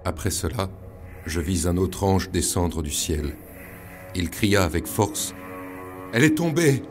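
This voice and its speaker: An actor playing a biblical prophet of doom, reciting scripture in an ominous, declamatory, incantatory way for an audio drama. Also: male voice, deep voice, animated, unhurried, faint music behind. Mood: thundering, exalted.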